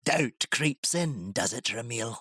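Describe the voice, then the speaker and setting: A man voicing a sly, commanding animated villain who taunts with drawn-out, insinuating words. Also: mid-range voice, breathy edge, dry recording, studio quality, heavily acted. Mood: taunting. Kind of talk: animation character acting.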